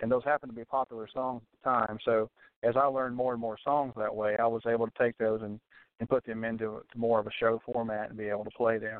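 With an East Tennessee accent, a man speaks very fast in a medium pitch and a monotone, flat intonation. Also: big swings in loudness. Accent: East Tennessee Southern. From US South, Kingsport, Tennessee. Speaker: country singer-songwriter. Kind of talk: interview.

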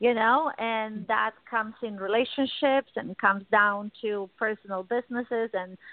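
A woman with a Romanian accent, fairly high in pitch, at a moderate pace. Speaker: educator, author and life coach. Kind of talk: interview conversation.

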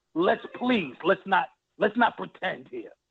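A man talks with a New York accent. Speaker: radio show co-host. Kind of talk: casual slang, profane.

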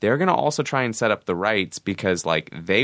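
Lively in intonation, a man with an American accent talks at a moderate pace. The recording is very clean with a silent background, dry and close with no echo. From Los Angeles, US West Coast. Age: 30s. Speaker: comic book writer and artist. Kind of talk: casual chat.

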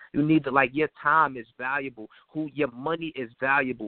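A man with an American accent speaks at a moderate pace in an unremarkable speaking voice, fairly high-pitched for a man, with fairly even intonation. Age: 20s. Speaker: battle rapper. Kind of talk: casual interview.

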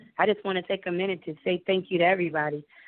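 This is an ordinary speaking voice. Its intonation stays fairly even. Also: woman. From Maryland, Prince George's County. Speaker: radio personality. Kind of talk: casual interview chat.

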